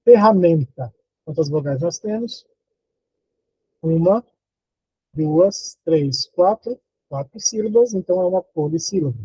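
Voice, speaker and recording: Slow-paced male teacher, dark husky voice. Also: on the high side, animated, no room sound, poor audio. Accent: Brazilian Portuguese. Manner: slow, deliberate, counts syllables aloud and asks rhetorical questions. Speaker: university teacher. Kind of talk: recorded online phonology lesson.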